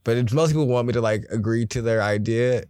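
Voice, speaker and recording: Man, podcast co-host, blunt and profane, animated, dry close sound. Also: mid-range voice, quick pace, clean tone, no room sound. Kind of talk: casual podcast chat.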